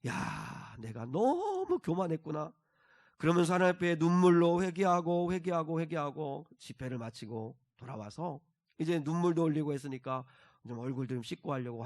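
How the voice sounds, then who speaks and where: A man preaching a sermon as pastor, moving between quiet asides and loud, emphatic exhortation, and leading the congregation in reading scripture. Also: on the high side.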